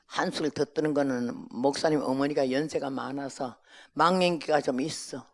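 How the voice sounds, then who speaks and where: An older woman missionary gives a testimony sermon with a gravelly, creaky voice. She tells the story in a lively way and acts out each exchange. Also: a bass voice, moderate pace. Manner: lively storytelling, acting out dialogue.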